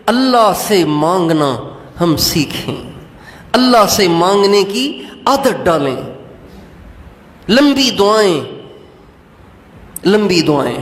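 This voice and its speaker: A man's voice: high-pitched, fairly bright tone. An older man preaching a devotional sermon, pleading intimately in prayer to God. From Pakistan. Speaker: Islamic preacher. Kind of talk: devotional sermon with chanted Arabic supplication. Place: mosque or khanqah hall. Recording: echoey hall, long reverb.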